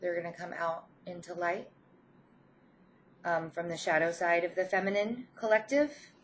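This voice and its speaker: A woman with a fairly low voice, touched by a head cold, speaks as a tarot reader addressing her viewers. Her delivery is gentle and encouraging, informal, with halting pauses inside her phrases. A faint layer of background noise sits under the voice. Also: fairly even intonation. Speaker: spiritual tarot reader and channel host. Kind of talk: informal spiritual card reading to viewers.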